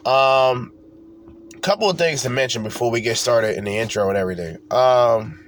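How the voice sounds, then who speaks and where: A man's voice: mid-range voice, moderate pace, a little hiss or hum. A man hosting his own podcast, stuffed up from a cold, talking in a loose, rambling way and swearing casually. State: congested from a cold. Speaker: podcast host. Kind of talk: casual solo podcast talk.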